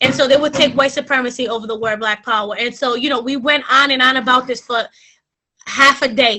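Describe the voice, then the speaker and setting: A woman speaks in a raised, projected voice, high in pitch and at a fairly quick pace. Her intonation is monotone and flat. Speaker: community organizer. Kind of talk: panel discussion. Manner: fast.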